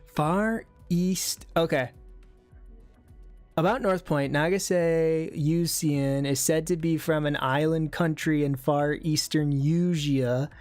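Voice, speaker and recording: A livestream host chatting casually and reading viewer comments, thinking out loud in a hesitant, musing way. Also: medium pitch, fairly even intonation, slow pace, soft background music.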